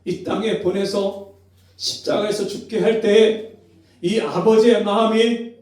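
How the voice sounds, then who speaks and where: A man voicing God as a gentle, reproving father within a sermon. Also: high-pitched, steady tone, a little slow, pitched above the performer's own voice. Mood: tender reproach. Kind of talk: acted quote in a sermon. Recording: very echoey hall, mic far off.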